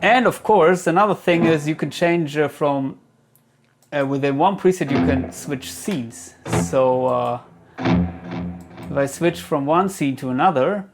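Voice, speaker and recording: A man giving a casual gear Q&A as a reviewer, speaking haltingly as he thinks aloud. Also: a little high, lively intonation, loud music behind the voice. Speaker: guitar gear reviewer answering viewer questions. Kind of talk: casual product Q&A talk.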